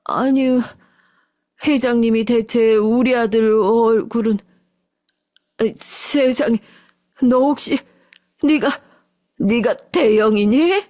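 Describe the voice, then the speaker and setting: A woman's voice: level tone, takes it slowly, dark tone. A woman voicing an elderly, poor mother who wails with emotion. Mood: sobbing. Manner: high, wailing, emotional.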